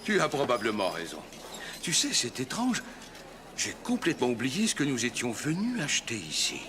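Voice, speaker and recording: A man playing a kindly, forgetful old grandfather in a children's cartoon, talking gently and patiently. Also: medium pitch, wildly swooping pitch, normal speed, a little hiss or hum. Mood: gentle, patient. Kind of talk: French children's cartoon acting.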